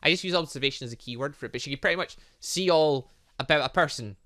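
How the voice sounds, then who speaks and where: A man giving excitable, rambling commentary as he plays through a game, often thinking aloud. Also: a little high, quick pace. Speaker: gaming channel host.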